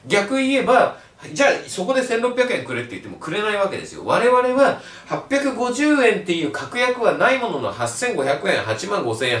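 A man giving a blunt, animated video lecture as an online resale instructor. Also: fairly high pitch, recorded from a distance. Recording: roomy echo, mic set back.

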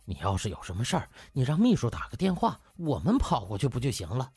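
A man acts out an obsequious hospital director in an audiobook drama. He gushes and fawns in a flustered, husky voice that swings up and down, with a temper underneath. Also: medium pitch, sing-song, quick pace, a little mellow, no room sound, faint music behind. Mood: fawning, flustered. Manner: fawning, gushing.

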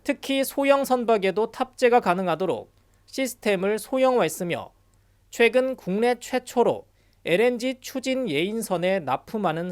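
A news reporter reading scripted narration for a broadcast industry report. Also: mid-range voice.

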